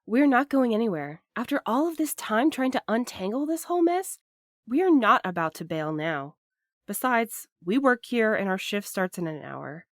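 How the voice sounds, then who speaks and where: A woman's voice: fairly high pitch, expressive, normal speed, no room sound. Earnest, insistent young courier woman, acted, dry. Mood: firm, insistent. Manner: direct, insistent. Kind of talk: naturalistic audio drama acting.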